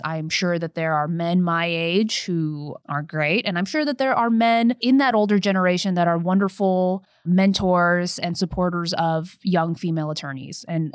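A young woman attorney telling a personal story in an earnest podcast conversation, growing animated as she recounts events. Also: lowish voice, no room sound, clean studio sound.

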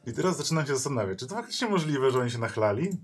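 A man's voice: mid-range voice, very animated, very fast, slightly rough. A man playing in a tabletop game, chatting casually and reading out rules, with faint music behind. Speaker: player.

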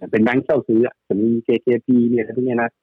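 A man's voice: medium pitch, little pitch movement, quick pace, breathy edge, narrow, tinny audio. A man giving casual stock market commentary, chatty and rambling, often repeating his words.

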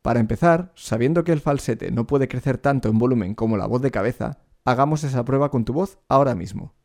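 A man's voice: medium pitch, fairly quick, a little mellow. Man explaining singing technique. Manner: clear explanatory teaching, addresses the learner directly. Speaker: vocal coach. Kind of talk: singing lesson.

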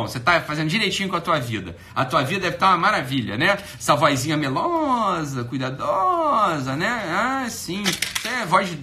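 A man's voice: fairly high pitch, bright, forceful tone, a little hiss or hum. A Brazilian man hosting a livestream, scolding a critic in a mocking, profane rant. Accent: Brazilian Portuguese. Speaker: livestream host.

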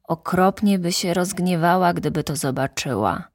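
A woman voicing the Little Prince, a gentle and lonely young boy, in an earnest, wondering storybook reading. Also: on the low side, moderate pace, no echo, studio quality.

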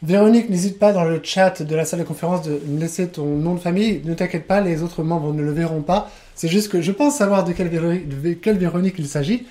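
Male webinar host and trainer; mellow, warm tone; eager, rambling delivery. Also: on the high side, quick pace, hardly any pauses. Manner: enthusiastic, rambling with restarts. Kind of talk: live webinar chat.

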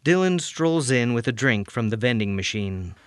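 A man's voice: medium pitch, lively intonation, moderate pace, a bit bright, clear, resonant tone, dry recording, clean studio sound. A man reading scripted audio drama narration in a plain, matter-of-fact way. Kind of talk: scripted narration of stage directions in present tense.

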